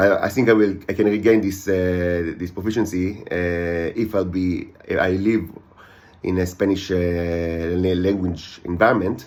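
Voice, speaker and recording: With an Israeli accent and a very deep, low pitch, a man talks fairly slowly in fairly even intonation amid audible room echo. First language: Hebrew. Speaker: YouTuber. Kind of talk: monologue to camera. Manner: halting; slower than usual.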